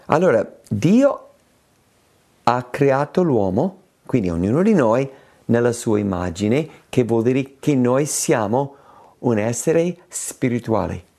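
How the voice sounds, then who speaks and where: A man preaching a sermon, reading scripture aloud and explaining it slowly and deliberately, with his pitch rising on emphatic phrases. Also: very animated, mellow.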